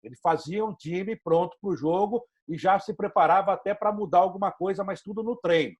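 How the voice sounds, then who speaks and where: A male host with a Brazilian Portuguese accent chats on a sports talk show. His voice sits a little high, and he builds his opinions in long, fluent stretches. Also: a little fast, husky. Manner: opinionated, flowing commentary. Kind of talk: casual interview chat.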